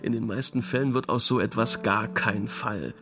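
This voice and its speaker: A man's voice: lowish voice, normal speed, music in the background, lightly acted. An actor playing a skeptical, dismissive man in a radio play. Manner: dismissive, knowing. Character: skeptical man debating a case.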